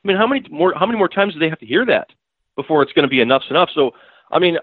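A man's voice: on the high side, lively intonation, racing, slightly rough, no room sound. A man, a newspaper beat writer, talking as a podcast guest in a blunt, emphatic way that keeps hammering the same point. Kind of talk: casual podcast interview. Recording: tinny phone line.

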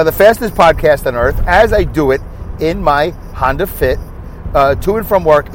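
Host, Brooklyn accent, male, slightly high voice, rambling stream-of-consciousness talk, recorded in a moving car with faint road noise. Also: low-quality recording. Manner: chatty, self-mocking, stream of consciousness. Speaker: podcast host. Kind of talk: rambling solo podcast while driving. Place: inside a moving car on a highway. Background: road and engine noise.

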